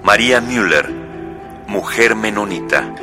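Low, slow male radio drama announcer. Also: expressive. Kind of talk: scripted radio drama introduction. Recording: music under the voice. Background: music.

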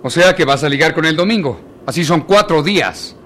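A man's voice: on the high side, expressive, fairly quick, fairly bright tone, slight background noise. A man voicing a stubborn, grudging male boss in a read-aloud novel. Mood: reluctant. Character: gruff, stubborn male radio station boss.

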